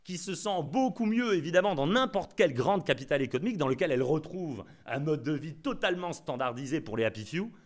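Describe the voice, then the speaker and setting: A man's voice: a little high, expressive, fast talker, few pauses. A man giving a conference lecture, ironic and emphatic, often repeating his key phrases. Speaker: conference speaker.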